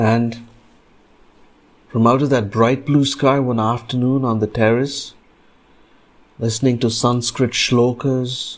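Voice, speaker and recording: Very slow and monotone, a man speaks with flat intonation and long, frequent pauses. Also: medium pitch for a man. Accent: Indian. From India (Karnataka). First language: Kannada. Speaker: essayist. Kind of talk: reading aloud. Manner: formal.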